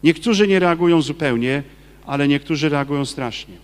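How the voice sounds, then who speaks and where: A man, a Catholic priest, giving a lively sermon and firing rhetorical questions at his listeners. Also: a little high, fairly quick, in a large hall. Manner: acts out quoted people in his talk.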